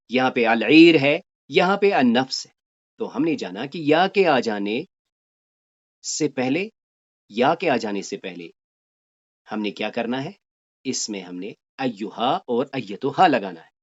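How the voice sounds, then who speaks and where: A man teaches a Quranic Arabic grammar lesson at an ordinary mid pitch. He draws out each verse slowly, then moves through his explanation at a brisk clip. The recording sounds dull and lo-fi.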